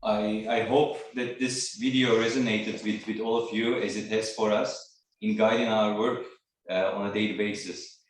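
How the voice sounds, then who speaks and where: Man from Turkey, trainer on a video call; halting, filler-heavy delivery, echoey and distant. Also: fairly low pitch, flat delivery. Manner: hesitant, many fillers. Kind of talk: online training presentation. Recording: echoey room, far from mic.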